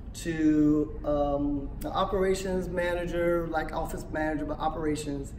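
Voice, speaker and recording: A raspy-voiced woman, animated and emphatic, telling her story on a panel and laughing often. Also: fairly low pitch, roomy sound, distant mic, background noise. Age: 50s. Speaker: panel speaker, veteran author. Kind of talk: conversational storytelling. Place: small indoor room at a conference.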